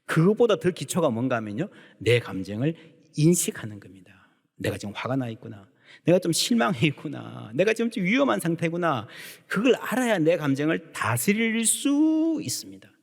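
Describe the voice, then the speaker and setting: A male pastor preaching a sermon in a church sanctuary, lively and emphatic, acting out the voices he quotes. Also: on the high side, normal speed, vocal fry. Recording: long church hall reverb.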